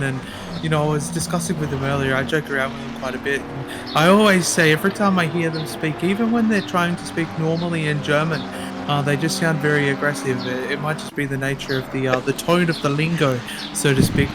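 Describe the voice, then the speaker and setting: A man's voice: fairly high pitch, noisy background. A man co-commentating a sim race, bantering and laughing at himself. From Australia. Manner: laughing, self-deprecating banter.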